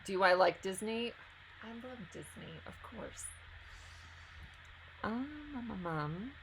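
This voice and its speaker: A woman's voice: mid-range voice, expressive, takes it slowly, fairly bright tone, a little hiss or hum, low-quality recording. A woman hosting a live stream, reading out viewer questions and answering them in a chatty, casual way.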